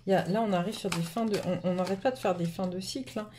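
A woman's voice: mid-range voice, fast talker. Brief: woman with a cold, rambling card reader, plenty of fillers, faint noise behind. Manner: rambling, many fillers and restarts. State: has a cold. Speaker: tarot reader. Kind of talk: casual spiritual card reading. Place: home table, camera above the cards.

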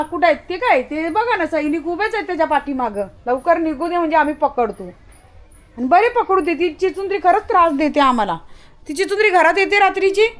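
A woman vlogging about her dog in casual chat, often shooing and calling out loudly. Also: very high voice. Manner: scolding and shooing the dog, loud calls. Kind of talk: casual pet vlog.

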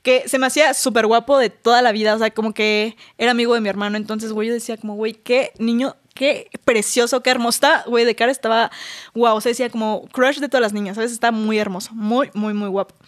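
Fast-talking young Mexican woman. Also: on the high side, fairly even intonation. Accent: Mexican Spanish. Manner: chatty, storytelling, fillers like "güey" and "¿sabes?". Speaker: guest. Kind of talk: casual chat.

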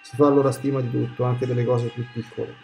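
A man reading aloud the words of Jesus as a grown man speaking tenderly to his daughter, in a solemn, measured devotional way. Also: medium pitch, little pitch movement, creaky, darkish tone, close to an everyday voice. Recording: echoey room with faint music.

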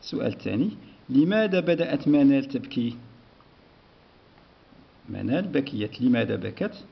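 A man, a primary school teacher, walking through an exam step by step, dictating slowly and repeating words as he writes. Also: medium pitch, very animated, vocal fry. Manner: slow, dictating, repeats words while writing. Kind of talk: step-by-step exam walkthrough lesson. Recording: dull lo-fi recording.

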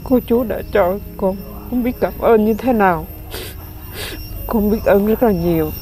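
A tearful woman who collects waste for a living, speaking slowly, haltingly and humbly. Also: medium pitch, warm tone. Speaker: aid recipient, a poor waste-collecting mother. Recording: light background music.

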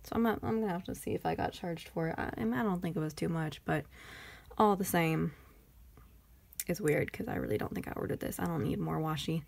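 Gravelly-voiced Texan woman, chatty. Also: sits low, brisk, darkish tone, no echo. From Texas. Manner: rambling, chatty, thinking aloud. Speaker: planner vlogger. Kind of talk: casual haul chat.

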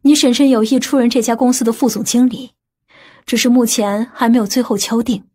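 A woman's voice: fairly high pitch, steady tone, fairly quick, mellow, slightly rough. A woman acting a confident, well-connected aunt in an audiobook drama, speaking in an assured, matter-of-fact way. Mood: persuasive.

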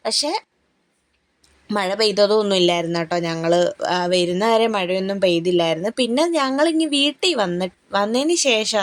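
A woman's voice: a little high, no room sound. A young woman narrating her family day in a casual vlog, rambling and chatty with frequent fillers and tag-questions. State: tired and sluggish after a heavy meal. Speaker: family vlogger.

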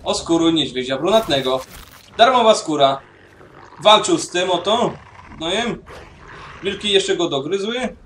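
A man's voice: high-pitched, animated, moderate pace, a bit bright, far from the mic, a little hiss or hum. A man casually commenting on his own gameplay, mumbling to himself and swearing now and then. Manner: mumbling to himself while playing. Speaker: gaming YouTuber. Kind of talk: casual let's-play commentary.

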